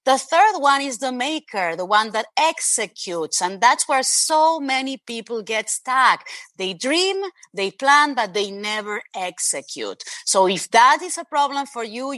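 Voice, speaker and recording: Spanish-accented lady guest on a video call, bright and a bit high, earnest and emphatic. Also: lively intonation, a little slow, no echo. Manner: earnest, emphatic, addresses host by name. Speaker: author and interview guest. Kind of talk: animated interview talk.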